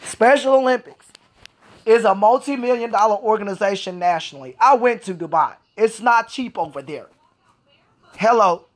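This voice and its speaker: A woman talks straight to her camera in a vlog, letting off steam. Her delivery is frustrated and repetitive, and she swears freely as she circles back over the same complaints. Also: medium pitch. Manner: frustrated, repetitive, profane ranting. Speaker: Special Olympics athlete. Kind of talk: venting vlog monologue.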